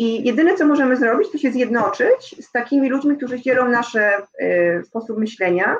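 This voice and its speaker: A woman speaks with a high pitch. Her loudness swings widely. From Poland, Zakopane (Podhale highlands). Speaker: banker. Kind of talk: interview. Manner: halting, many fillers.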